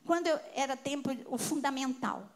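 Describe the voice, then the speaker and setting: High-pitched older brazilian lady preaching, emotional storytelling, gets quiet then loud. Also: normal speed. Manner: emotional storytelling, swinging between soft and loud. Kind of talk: sermon with personal testimony.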